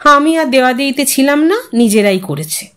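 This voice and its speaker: A woman's voice: sits high, expressive, normal speed, a bit bright. A woman reading a story, voicing a resigned, confiding elderly widow who muses wistfully. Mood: matter-of-fact. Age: older. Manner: wistful, confiding, musing to herself. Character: Bithi, weary resigned elderly widow in old age home.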